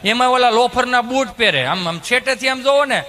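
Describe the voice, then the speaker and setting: Male storyteller-comic, Kathiyawadi accent, high bright voice, rambling live stand-up style. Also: animated, fairly quick. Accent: Kathiyawadi Gujarati. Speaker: comedian.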